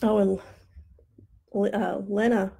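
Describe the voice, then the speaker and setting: A woman's voice: mid-range voice, little pitch movement, slow, gravelly, dark tone, breathy edge. A woman in her thirties talks through student poster designs on a live stream, upbeat and chatty as she thinks aloud. Her voice sounds worn and starts to crack after long use. She speaks into a desk mic in a home studio.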